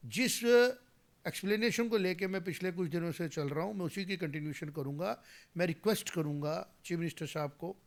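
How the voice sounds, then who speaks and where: A high-pitched man in a political interview. He argues emphatically and drops English phrases into his talk. His voice climbs and turns heated as he presses his points. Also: a little fast. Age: 40s. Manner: emphatic, rising to heated argument; mixes English phrases into speech. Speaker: guest commentator.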